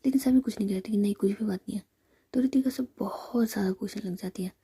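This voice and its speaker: A woman telling a story in whispered role-play, narrating softly and unhurriedly. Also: medium pitch, quick pace, husky.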